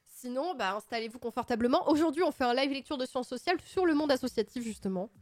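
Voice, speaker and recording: A woman hosting a livestream in casual chat, playful and expressive with sudden excited outbursts. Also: high voice, quick pace, no echo, clean studio sound. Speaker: livestream host. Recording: faint music in the background.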